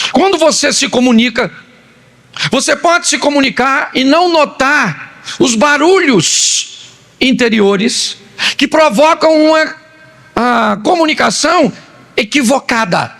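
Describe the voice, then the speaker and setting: A Brazilian man preaching on marriage with humor, acting out quarrels between spouses. His voice sits very high and carries a gravelly rasp. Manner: animated, jokes and acts out quarrels. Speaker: pastor. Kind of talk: comedic marriage sermon.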